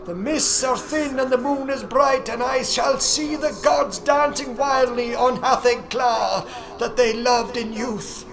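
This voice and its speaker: A man's voice: over music, rough recording. A man voicing an old prophet in a horror audiobook, wildly exultant and boastful, proclaiming shrilly. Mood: ecstatic, boastful. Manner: shrill, wild, slow proclaiming shouts. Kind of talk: dramatic audiobook character voice.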